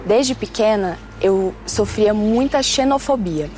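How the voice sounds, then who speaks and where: A woman in her twenties, from Switzerland, telling her personal testimony in an earnest, measured way. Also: mid-range voice, a little hiss or hum. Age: 20s. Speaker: testimony speaker. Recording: soft music underneath.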